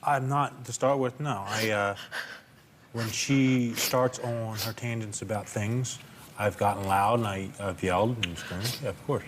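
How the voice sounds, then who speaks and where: A man, an adult son on a talk show, defending himself and arguing back with halting restarts. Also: lowish voice, fairly even intonation, a little hiss or hum. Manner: defensive, argumentative, hesitant restarts. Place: TV studio.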